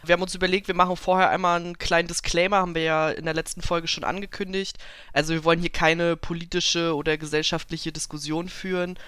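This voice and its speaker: Smooth-voiced young woman chatting casually. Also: on the low side, fast talker, no echo, clean studio sound. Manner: relaxed, chatty, with frequent laughs. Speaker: podcast co-host. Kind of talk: casual podcast chat.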